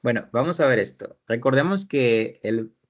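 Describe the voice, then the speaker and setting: A man's voice: mid-range voice, lively intonation, normal speed. A man teaching an English class, explaining grammar in Spanish, repeating his students' sentences and asking guiding questions.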